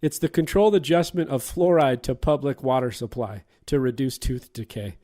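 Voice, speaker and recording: A man's voice: mid-range voice, moderate pace, mellow. Man chatting about a film. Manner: laughs while retelling scenes. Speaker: podcast host. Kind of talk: casual movie podcast chat.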